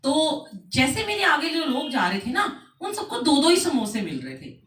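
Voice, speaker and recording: A woman's voice: high-pitched, moderate pace, distant mic. Storytelling woman in an echoey room. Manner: lively anecdotal storytelling with acted quotes. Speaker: satsang speaker. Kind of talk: devotional storytelling talk. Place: a home satsang gathering indoors.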